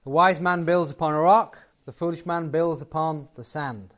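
A man's voice: on the high side, fairly even intonation, moderate pace, fairly bright tone. A man giving a closing sermon and prayer to a live gathering, conversational and building to emphatic points. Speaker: guest preacher.

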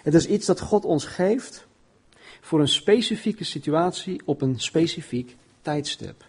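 A man's voice: on the high side, expressive, a little slow, a little mellow, husky. A man preaching an informal sermon and reading Bible passages aloud, often stumbling and repeating words as he talks.

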